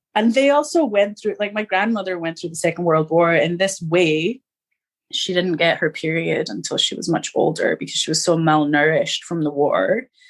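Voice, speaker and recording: A woman's fairly low-pitched voice with lively intonation. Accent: Scottish. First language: Polish. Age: 30s. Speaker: filmmaker and actor. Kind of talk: casual chat. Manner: animated, fast.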